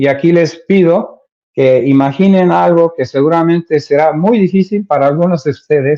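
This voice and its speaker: The voice has a dark, mellow tone and ordinary pitch variation, moving at a fairly slow pace. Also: man. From Mexico. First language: English (speaking Spanish). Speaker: theologian speaker. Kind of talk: lecture.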